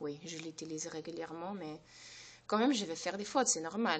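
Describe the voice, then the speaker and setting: A German accent with ordinary pitch variation. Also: woman. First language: German (speaking French). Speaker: language teacher. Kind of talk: channel intro explanation. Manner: halting, many hesitations.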